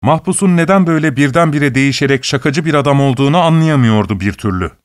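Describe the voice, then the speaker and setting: A man narrating a story as an audiobook in a steady, measured reading style. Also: on the high side, no room sound, studio quality.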